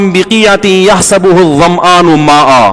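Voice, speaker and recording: A man's pitch moves in a usual way while noticeable noise fills the background. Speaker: Islamic scholar. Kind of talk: religious lecture.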